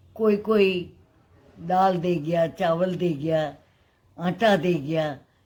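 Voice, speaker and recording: A woman with a dark, mellow tone speaks at a fairly low pitch, taking long, frequent pauses. Her intonation stays fairly even and her loudness very even. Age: 80s+. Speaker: charity founder. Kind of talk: interview.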